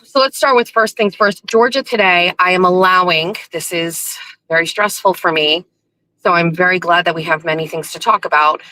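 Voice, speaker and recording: Her lowish voice comes across bright and forceful at a moderate pace, with a just-woke-up scratchiness, in a dry recording. She's a woman hosting an easygoing morning show while driving, speaking into a phone in a cradle inside her car, chatting, laughing and rambling off on asides.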